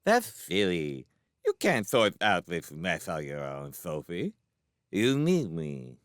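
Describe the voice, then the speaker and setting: A man's voice: sits low, huge pitch swings, slow pace, no room sound, studio quality, voice pushed down, exaggerated voice. Man putting on a sweet lisping little boy. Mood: wheedling. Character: sweet coy little boy, sly and wheedling. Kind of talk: audiobook character voice.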